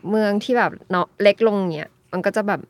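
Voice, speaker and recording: Thai woman guest chatting casually, normal pitch, explains stuff loosely. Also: fast talker, gravelly. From Thailand. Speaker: podcast guest. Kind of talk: casual chat.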